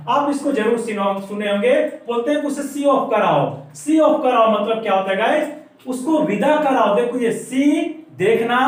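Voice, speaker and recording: Very high-voiced male teacher, echoey. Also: distant mic. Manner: explains patiently, repeats words slowly for dictation. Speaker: English teacher. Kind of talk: classroom-style language lesson. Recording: very echoey room, voice off-mic.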